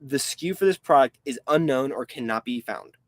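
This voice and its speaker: A man's voice: medium pitch, expressive, brisk, no room sound. A man in his twenties chatting casually on a live stream, reading out chat questions and grumbling aside about a website that keeps failing. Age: 20s. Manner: chatty and rambling, reads chat questions aloud, frustrated asides. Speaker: online reseller hosting a live stream.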